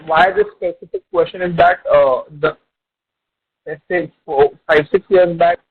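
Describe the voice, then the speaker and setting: A man's voice: a little high, steady tone, a little slow, breathy edge. A man with an Indian accent questioning company management on an earnings call as an investor, persistent and probing. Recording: tinny narrow phone line.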